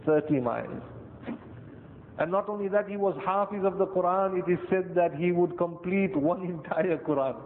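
A Muslim preacher with a South Asian accent delivers a sermon deliberately, in short phrases with pauses and repetition. The recording sounds tinny and band-limited, with an echoey hall and rumbly noise.

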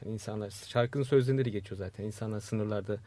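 Man, musician, very fast speech, dark mellow tone. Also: fairly low pitch. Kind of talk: casual interview.

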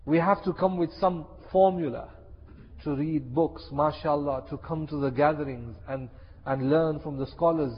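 Impassioned high-voiced male preacher. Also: moderate pace, slightly rough. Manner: impassioned, repeats key phrases for emphasis. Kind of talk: sermon. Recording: echoey hall, dull lo-fi sound.

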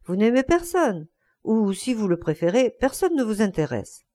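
A woman's voice: on the high side, sing-song, normal speed, warm tone. A woman reading aloud voicing a sincere young painter, speaking thoughtfully and earnestly.

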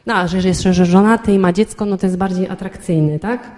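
A woman's voice: lowish voice, a little fast. A woman giving a spoken faith testimony, acting out quoted dialogue and often calling on her listeners to listen. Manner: lively storyteller who acts out quoted dialogue. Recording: long hall reverb.

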